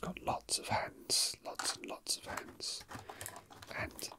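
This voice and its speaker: Whispering ASMR host, hushed and musing. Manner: hushed, unhurried, musing to self. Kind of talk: whispered ASMR, casual chat while handling a toy figure.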